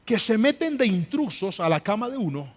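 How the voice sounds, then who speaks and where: A man's voice: sits high, sing-song, moderate pace. A man preaching a sermon as associate pastor, using rhetorical questions and call-and-response with his congregation in a church.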